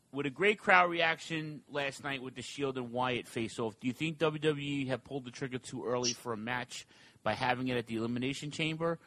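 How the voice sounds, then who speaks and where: A man co-hosting a casual talk show, reading listener questions and giving his opinions in an animated, offhand way. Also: mid-range voice, no room sound. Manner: animated, fast asides, reads listener questions. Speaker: podcast co-host.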